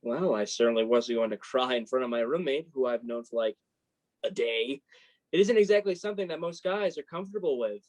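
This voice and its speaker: A man's voice: medium pitch, fairly quick, a little mellow, natural voice. A man playing a sensitive, embarrassed college freshman in a play reading, guarded and dryly self-deprecating. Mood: wry, defensive. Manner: self-deprecating, dry sarcasm. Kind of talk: staged reading of a play, naturalistic dialogue.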